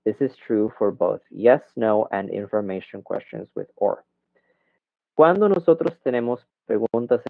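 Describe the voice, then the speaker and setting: A man's voice: medium pitch, vocal fry, no echo. A man teaching an English class online, explaining grammar in Spanish and modeling English questions with exaggerated rising and falling intonation. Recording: thin phone-like audio, dry.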